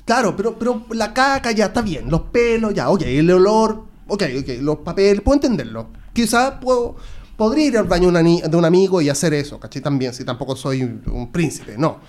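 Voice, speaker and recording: A young Chilean man with a fairly high voice tells stories at a podcast table. He talks in lively, slangy bursts and keeps slipping into playful mock voices. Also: brisk. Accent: Chilean Spanish. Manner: animated storyteller, slangy, jumps into mock English voices. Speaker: podcast co-host. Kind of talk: casual chat.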